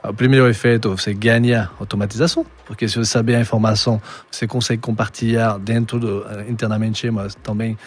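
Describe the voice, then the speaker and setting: Man, halting. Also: fairly low pitch, level tone. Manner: halting, many fillers and restarts. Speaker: podcast guest. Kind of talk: casual podcast conversation.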